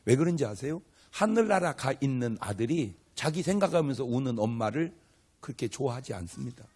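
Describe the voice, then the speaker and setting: This older pastor's mid-range voice is sing-song and a little mellow, with a breathy edge, and he talks a bit fast. Delivering a humorous revival sermon before a live church, he spins stories, performs the dialogue, and trades questions and jokes with the audience.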